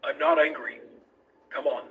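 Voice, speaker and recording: A man's voice: mid-range voice, unhurried, sharp tone, husky, full character voice. A man voicing a weary, detached skeleton scientist who narrates a formal journal in a comic dub. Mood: reassuring. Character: cold, clinical male skeleton scientist captor, weary, detached.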